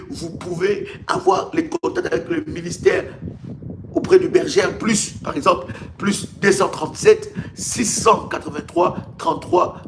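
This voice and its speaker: A man's voice: high-pitched, creaky, background noise. A man preaching a live sermon, repeating his phrases with emphasis to the congregation.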